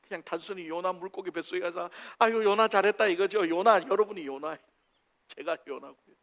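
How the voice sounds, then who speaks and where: A man preaching a sermon in a church, acting out voices with big swings in pitch and loudness. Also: a little fast. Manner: animated, acts out dialogue with big pitch swings. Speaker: pastor. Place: church sanctuary. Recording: long hall reverb.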